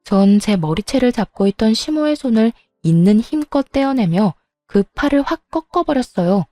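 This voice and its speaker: Mellow woman telling a story. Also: fairly high pitch, normal speed, no echo, clean studio sound, soft background music. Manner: steady, confiding storytelling. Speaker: storyteller narrating as daughter-in-law. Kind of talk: first-person story narration.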